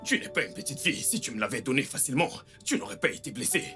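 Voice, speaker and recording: A man's voice: mid-range voice, very animated, rapid-fire, over music, lightly acted. Man playing a callous, coarse young man. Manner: dismissive, coarse, threatening. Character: young man, callous rich son, threatening. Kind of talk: dubbed film drama.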